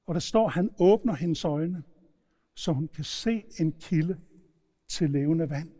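A man preaching a sermon, retelling stories in a lively storytelling manner. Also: fairly high pitch. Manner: storytelling, animated retelling with shouted quotes. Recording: long hall reverb.

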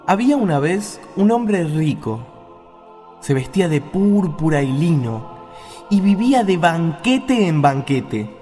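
Man acting slow, high-voiced parable teacher. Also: sing-song, mellow. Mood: measured storytelling. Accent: Argentine. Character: Jesus as a measured, storytelling parable teacher. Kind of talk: amateur radio play. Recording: long reverb, music behind.

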